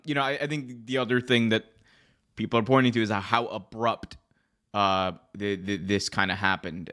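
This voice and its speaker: Lower-pitched man hosting casual wrestling talk. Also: pushed and bright. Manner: loose, frequent "like" and "you know". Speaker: host of a wrestling news show. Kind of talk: casual discussion and news commentary.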